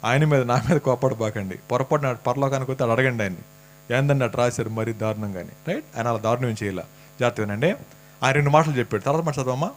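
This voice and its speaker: A man's voice: mid-range voice, fast talker, slight background noise. A man preaching a sermon in a church, talking casually and teasing the congregation with questions. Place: church hall.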